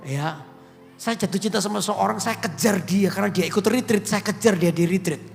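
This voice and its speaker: Middle-aged pastor, raised gravelly voice, animated testimony, long hall reverb with faint music. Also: male voice, high voice, brisk. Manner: animated storytelling, drops into Javanese phrases. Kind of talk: sermon with personal testimony. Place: large church auditorium.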